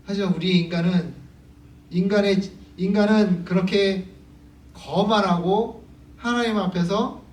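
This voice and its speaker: Speaking at a measured pace, this pastor has a high, steady, slightly mellow voice. His Sunday sermon is conversational: he quizzes the congregation and performs the quotes in his stories. Captured from a distance, the sound echoes through the church sanctuary.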